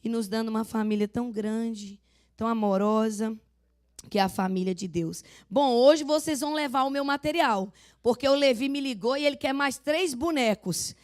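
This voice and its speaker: An older woman pastor from Northeast Brazil with a Northeastern accent, preaching and telling animated stories. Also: moderate pace. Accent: Northeastern Brazilian Portuguese. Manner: animated storytelling, loud booming laugh; acts out voices of people in her stories. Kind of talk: sermon.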